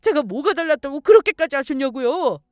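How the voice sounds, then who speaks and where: A woman's voice: high voice, very animated, fairly quick, no room sound, studio quality, faint music behind, pitched above the performer's own voice. A woman voicing a spineless young male fiancé who talks in a whiny, pleading way.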